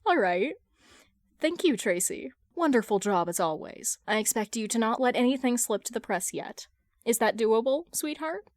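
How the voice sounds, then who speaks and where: A woman's voice: fairly high pitch, expressive, moderate pace, dry recording, natural voice. A woman voicing a confident, teasing businesswoman who is sweetly nonchalant and smug, in a fan fiction reading. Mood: sweet, pleased.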